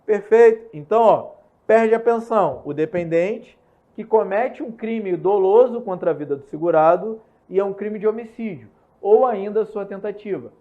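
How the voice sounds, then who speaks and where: High-voiced Brazilian man teaching energetically. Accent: Brazilian Portuguese. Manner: energetic, repeats key points, checks in often with quick questions. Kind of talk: recorded online law lesson. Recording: slightly muffled lo-fi recording.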